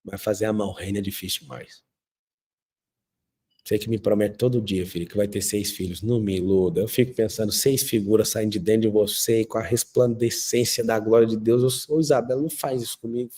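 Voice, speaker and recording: A man from Brazil giving an emphatic, faith-tinged motivational talk, acting out quotes and moving between loud and soft passages. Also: on the low side, little pitch movement, fairly quick, husky. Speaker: speaker of a motivational talk show. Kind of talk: motivational talk with faith themes and family stories.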